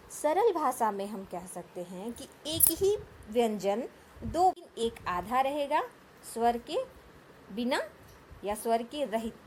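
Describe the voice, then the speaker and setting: A woman's voice: fairly high pitch, a little mellow, a little hiss or hum. A woman teacher explaining a grammar lesson patiently, often asking the class questions and checking that they follow.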